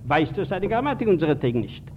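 A man with a fairly high voice gives a fast, animated, emphatic public lecture, hammering home points with rhetorical questions to the audience and short anecdotes. The sound is thin and narrow, like an old archival tape heard over a phone line, with a soft hiss underneath.

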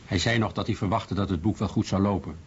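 A man acting as a blunt, firm writer recounts his search for truth in a very deep voice. It is a dull recording with faint noise. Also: fast talker. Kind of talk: scripted first-person dramatised account.

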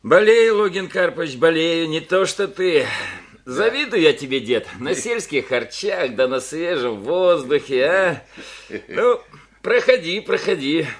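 A brisk, grumbling city son-in-law in a vintage radio play. He complains with a slightly high, lively voice and a mildly mocking edge. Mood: complaining. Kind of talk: Soviet radio play acting.

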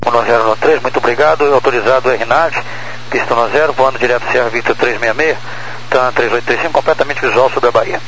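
A man's voice: mid-range voice, steady tone, fast, fairly bright tone. Man, airline pilot, two-way aviation radio, clipped phraseology, muffled sound, faint static. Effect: heard over a two-way aviation radio.

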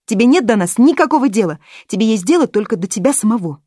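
An irritable stepmother in an audiobook, as a woman reader puts her on. She lectures loudly, her voice raised above the narration, in a dry recording. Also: on the high side, expressive, fast talker, no room sound, pitched above the performer's own voice. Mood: scolding. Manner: loud, scolding, lecturing. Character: stern young stepmother, irritable, scolding.

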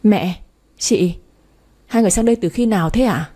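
A woman voicing a gentle young man who softly reassures his girlfriend in a storybook reading. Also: mid-range voice, moderate pace, natural voice.

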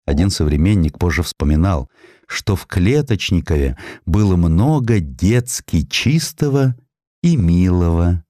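A man narrating a historical story as an audiobook, in an expressive, dramatic storytelling manner. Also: low voice, a little slow, no echo, studio quality.

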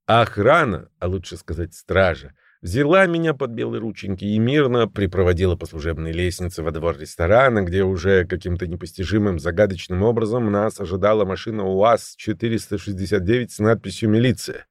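A man's voice: low voice, a little fast, hardly any pauses, no room sound, studio quality. A man narrating a first-person audiobook story in a wry, ironic storytelling manner.

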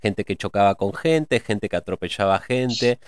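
A man in a reflective cultural discussion, pausing often with hesitations as he thinks aloud. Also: lowish voice, animated, clean tone, dry recording, studio quality. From Argentina.

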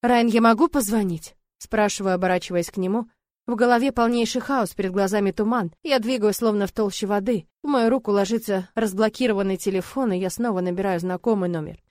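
A woman's voice: medium pitch, quick pace, a little mellow, no room sound. A woman narrates an audiobook in the first person. Her reading is tense and emotional, with a mid-range voice. The recording is dry and close.

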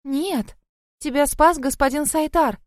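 Woman voicing a high, worried rabbit-eared girl. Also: unhurried, no room sound, studio quality. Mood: concerned. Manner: earnest, worried, fussing. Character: friendly young rabbit-eared girl, anxious and caring.

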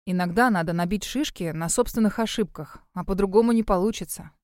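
A woman voicing a crafty, sly man who teases in a smooth, easy way. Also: medium pitch, a little fast, darkish tone, no echo, studio quality, natural voice.

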